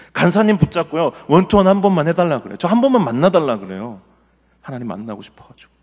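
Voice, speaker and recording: A man in his forties, a pastor preaching an impassioned sermon that swings between loud pleas and hushed murmurs. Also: high voice. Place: church sanctuary. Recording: long hall reverb.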